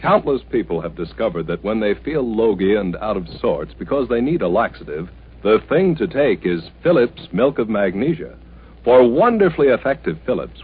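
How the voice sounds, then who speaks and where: An American man delivers a chipper 1950s radio ad with a lively, swooping pitch and a slightly husky edge. He stresses each selling point emphatically, on a muffled old broadcast with faint music. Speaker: radio announcer.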